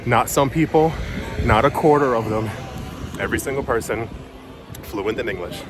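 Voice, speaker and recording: A man filming a casual vlog outdoors, rambling with many fillers and restarts, often keeping his voice low in public. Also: moderate pace, over music. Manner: drops his voice to talk quietly in public. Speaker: crypto vlogger. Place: outdoors on a city street with traffic. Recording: street traffic noise behind.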